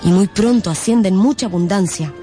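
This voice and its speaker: A woman's voice: medium pitch, fairly quick, dark tone, close to an everyday voice. An actress playing a teasing, bewitching young Gypsy fortune-teller in a radio novel, with playful, rhymed delivery. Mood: playful prophesying. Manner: playful, sly, sing-song rhymed delivery. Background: background music.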